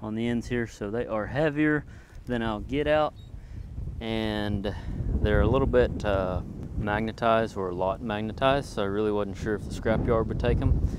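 Over noticeable background noise, in a dry sound with no echo, a man at fairly low pitch talks at a moderate pace with ordinary pitch variation. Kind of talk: casual vlog chat. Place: open country. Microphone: lapel.

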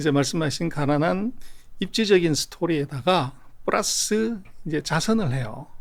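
With an ordinary speaking voice, a man speaks at a moderate pace with a fairly high pitch and lively intonation. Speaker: economist, China economy researcher. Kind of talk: interview, expert analysis.

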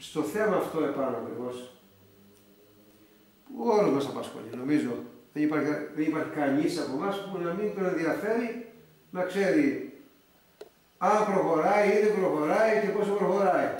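Strong room echo surrounds a man whose high pitch makes very wide swings as he speaks at a fairly slow pace with long, frequent pauses. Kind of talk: religious talk to a group. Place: hall. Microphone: old recording.

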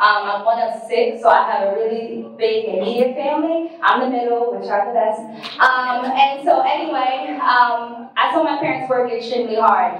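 Strong room echo and light background noise surround a woman speaking at a high pitch. Her pace is moderate, with hardly any pauses and ordinary pitch variation. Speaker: guest. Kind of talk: talk to a conference audience. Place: meeting room. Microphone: camera far.

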